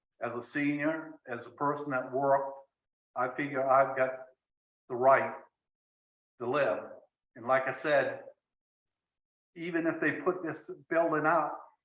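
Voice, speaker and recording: In a room with audible echo, a man with an American accent speaks at a fairly slow pace and fairly high pitch, keeping fairly even intonation and taking long, frequent pauses. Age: 60s. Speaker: resident speaking at public meeting. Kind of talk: public comment. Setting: town planning board meeting. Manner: halting.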